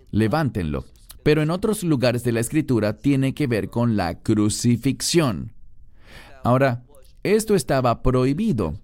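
A man's voice: mid-range voice, darkish tone, dry recording. A man preaching a sermon verse by verse, reading scripture and then explaining it. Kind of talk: expository sermon.

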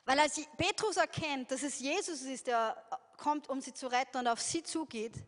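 Woman preacher, high voice, earnest sermon, soft laughs, long hall reverb. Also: moderate pace.

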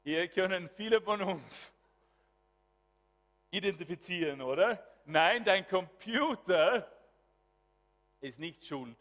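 A man preaching a sermon as pastor, swinging from quiet asides to loud exclamations. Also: high voice, expressive, slow pace, long pauses. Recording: long hall reverb.

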